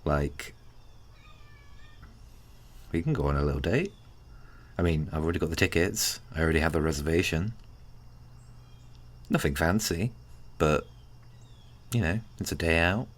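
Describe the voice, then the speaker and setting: A man playing a kindly, awkward, flirtatious tiny friend in an intimate ASMR roleplay, speaking gently and hesitantly with caring, teasing warmth. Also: sits low, expressive, moderate pace, long pauses. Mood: encouraging, shy. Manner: gentle, hesitant, bashfully rambling.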